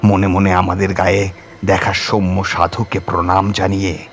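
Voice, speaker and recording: A man's voice: deep voice, level tone, normal speed. A man narrating a horror audiobook in a theatrical, suspenseful manner. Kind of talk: dramatic scripted horror story narration. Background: music.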